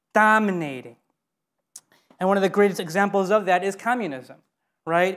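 A woman with a non-native accent on a very clean recording with a silent background. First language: not Korean. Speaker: pastor. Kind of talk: sermon. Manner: halting, with fillers.

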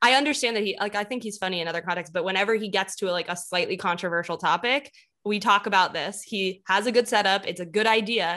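Her tone bright and sharp, a woman rushes along at a very fast pace with hardly any pauses. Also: medium pitch for a woman, ordinary pitch variation. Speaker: podcast host and comedian. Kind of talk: casual comedic chat. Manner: animated, jokey.

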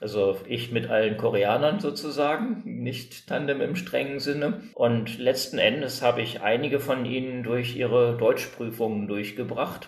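Audible room echo surrounds a man's medium-pitched voice with ordinary pitch variation. He talks at a fairly slow pace with hardly any pauses. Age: 50s. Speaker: interview guest, Korea traveller. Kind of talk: interview.

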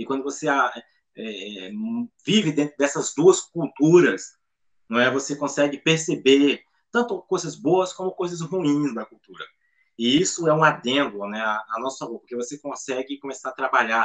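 With a plain, everyday voice, a man talks at a fairly slow pace in a fairly high pitch, his intonation lively and his loudness swinging widely. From Brazil. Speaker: missionary and theology teacher. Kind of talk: interview.

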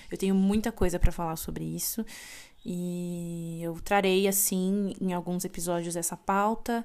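A woman's medium-pitched, monotone voice with flat intonation at a fairly slow pace, in a very clean recording with a silent background. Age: 20s. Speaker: podcast host. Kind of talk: casual solo monologue.

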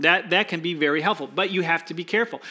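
A man's high, bright and sharp voice with ordinary pitch variation. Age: 50s. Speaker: podcast host. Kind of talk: solo podcast monologue.

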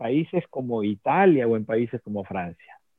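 Speaking at a fairly slow pace with lively intonation, a man talks in an unremarkable speaking voice. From Peru. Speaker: writer. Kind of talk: interview.

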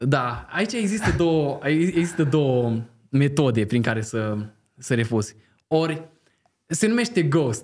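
Talking at a very slow pace, a man with a fairly high pitch makes very wide pitch swings while keeping his loudness very even. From Romania, Oradea area (Crișana). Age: 20s. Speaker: content creator. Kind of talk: casual podcast conversation.

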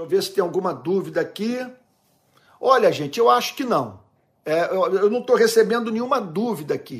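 A man speaks at a moderate pace with a high pitch and lively intonation. Long pauses break up his speech frequently. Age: 50s. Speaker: pastor and teacher. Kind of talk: livestream talk with Q&A. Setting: home study, livestream.

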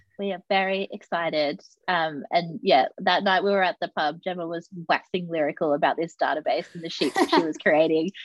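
Speaking with an Australian accent, a woman keeps to a moderate pace. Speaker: podcast co-host, sports media co-founder. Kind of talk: casual chat. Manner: animated.

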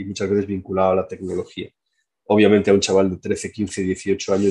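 A man's dark, mellow voice, fairly low in pitch, moves at a fairly quick pace with monotone, flat intonation. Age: 50s. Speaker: literature professor. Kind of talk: interview.

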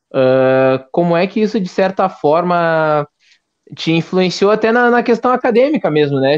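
A man with a southern Brazilian accent speaks at a moderate pace with lively intonation and a fairly high pitch, in a dry, close sound with no echo. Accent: gaúcho Brazilian Portuguese. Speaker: podcast host. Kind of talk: casual interview on live stream.

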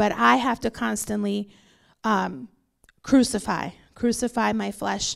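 An animated tone and lively intonation in a very clean recording with a silent background. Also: woman. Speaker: pastor leading Bible study. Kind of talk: Bible study teaching. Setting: church. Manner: loud.

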